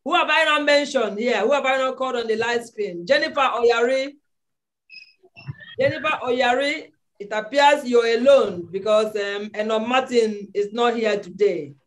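Through a video call microphone in an indoor room comes a low-quality recording of a Nigerian-accented woman at normal speed. With a fairly high pitch, she directs students in an online audition class, giving commanding instructions and repeating her orders.

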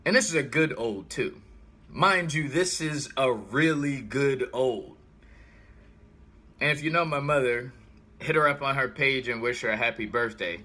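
An American man in his thirties chatting casually on a livestream, thinking out loud and telling stories with animated, emphatic repetition. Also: medium pitch, unhurried. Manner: animated storytelling, repeats himself for emphasis. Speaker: vlogger. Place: small room indoors.

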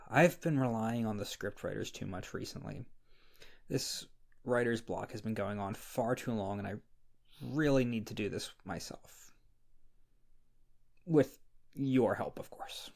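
A man playing a needy, flustered young friend in an intimate ASMR roleplay, speaking softly and hesitantly in a creaky voice. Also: lowish voice, heavily acted. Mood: coaxing, grateful. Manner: hesitant, slow, halting, sheepish. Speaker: roleplay audio creator playing a character. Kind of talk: wholesome ASMR roleplay acting, intimate one-sided dialogue.

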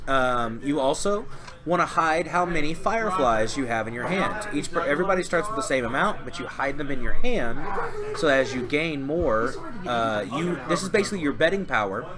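A man's voice: a little high, animated, moderate pace. A man co-hosting a show, casually explaining a board game's rules with frequent ums. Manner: hesitant, many ums. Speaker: co-host reviewing a board game. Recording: loud crowd behind.

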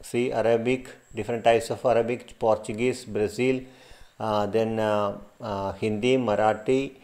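A middle-aged man with a Malayali English accent, a Malayalam native speaker, teaching a screen-recorded tutorial, halting and full of fillers and restarts, recorded on a built-in laptop mic. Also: lowish voice, steady tone, darkish tone. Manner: halting, many fillers and restarts, gestures while talking.

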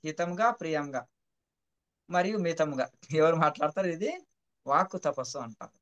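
A high-voiced man teaches patiently, telling a parable and asking again and again whether his listener follows. His voice is smooth and resonant. The recording sounds a little dull and lo-fi. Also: expressive, normal speed, a bit bright. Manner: patient, explains by repeating phrases and checking understanding. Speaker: spiritual teacher.

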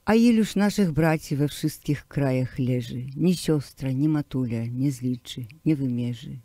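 Man reading poems for radio, slow and declamatory, mellow dark tone, dry close sound. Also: medium pitch, no echo. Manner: slow, declamatory recital with swelling emphasis. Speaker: poetry reader. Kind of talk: poetry recitation.

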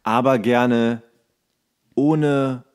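A man's voice: medium pitch, steady tone, very slow, smooth. A man co-hosting a podcast in casual, jokey banter, playfully riffing as he chats. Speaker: podcast co-host.

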